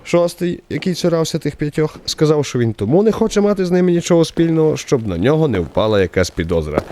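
Expressive male radio-play narrator, lively pitch swings. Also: quick pace, background noise. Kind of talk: expressive scripted literary narration.

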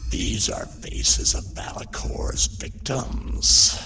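Casting: sinister whispering captor, extremely slow and gravelly, sci-fi audio drama. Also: male voice, low-pitched, wildly swooping pitch, full character voice. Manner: drawn-out, halting, whispered delivery. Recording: background noise and ambience.

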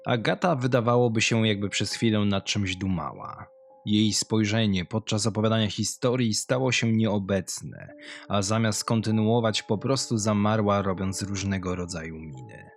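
Man, deep-leaning voice, scripted horror narration, music in the background. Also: moderate pace, gravelly. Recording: low music behind, compressed audio.

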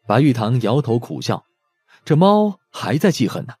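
Husky, mellow male story narrator. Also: medium pitch, very animated, normal speed. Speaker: audiobook narrator. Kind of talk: scripted dramatic story narration. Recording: faint music under the voice.

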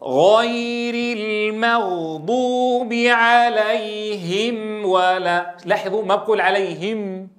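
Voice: mid-range voice, fairly even intonation, takes it slowly, a bit bright, reverberant. A Quran recitation teacher giving a tajweed lesson, reciting verses melodically and drilling single syllables to correct pronunciation.

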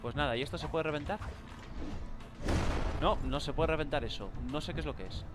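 A man with a Spain Spanish accent giving casual gameplay commentary, rambling with fillers and bursting into loud exclamations. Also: on the high side, a little fast. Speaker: gaming channel host. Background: game music.

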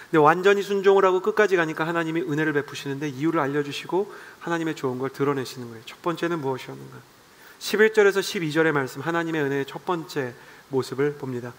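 A man's voice: on the high side, quick pace. A man preaching a sermon to young adults as their pastor, telling stories and acting out the voices in them. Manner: storytelling, acting out quoted voices. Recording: long hall reverb.

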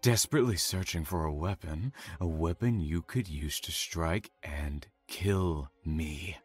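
A man playing a calm, taunting, self-satisfied serial killer in an audio drama, savoring his words with theatrical menace. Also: low-pitched, a little slow, slightly rough. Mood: menacing, gloating.

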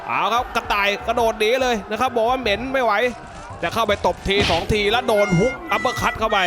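Guy doing excited game commentary, really high voice, lots of exclaiming, music playing behind him. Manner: exclamatory, reacting aloud to the action. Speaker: gaming video host.

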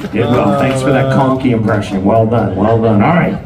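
A man's voice: medium pitch, a little fast. A middle-aged man hosting a live comedy show, doing teasing standup comic crowd work and echoing people's answers. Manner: teasing, echoes the answers, mild swearing. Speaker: host of a live comedy contest. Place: small club stage, indoors, filmed from the audience. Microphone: handheld stage microphone through PA. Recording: echoey distant audience recording, loud crowd noise. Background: noisy laughing crowd.

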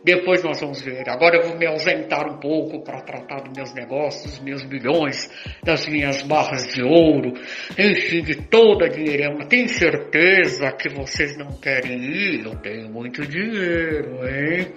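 A man's voice: on the high side, moderate pace, fairly bright tone, close to an everyday voice. A man playing a rich, boastful womanizer coaxing his many lovers in an amateur radio soap. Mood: pleading, boastful. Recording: dull lo-fi recording, music behind.

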